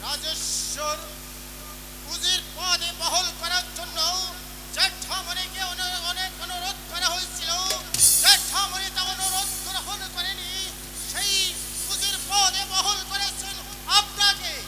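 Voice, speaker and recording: Hammy, indignant, very high-pitched youngster. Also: level tone. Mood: righteous reproach. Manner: hammy, emphatic, halting theatrical declaiming. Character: righteous, indignant young royal grandchild confronting a minister. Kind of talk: hammy, declamatory folk-theatre stage acting. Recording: stage recording under loud music.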